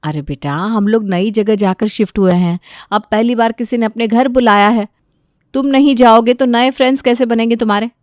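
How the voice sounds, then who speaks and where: A woman's voice: fairly high pitch, moderate pace, no room sound, studio quality, natural voice. A woman voicing a mother who coaxes and scolds her son, in a storybook tale. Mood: scolding. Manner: coaxing and scolding.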